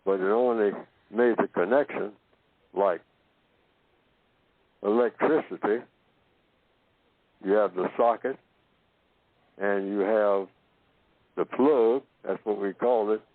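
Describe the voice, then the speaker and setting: A man from Oklahoma giving a slow philosophical talk, asking himself questions and answering them, and repeating phrases to build his point. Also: lowish voice, no echo. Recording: tinny phone-line audio.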